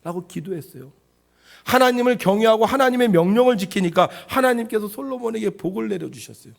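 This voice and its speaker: A male pastor giving a Sunday sermon. He asks the congregation questions and answers them himself, and he swings between loud emphasis and soft, low asides. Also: animated, a little fast, creaky. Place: church sanctuary.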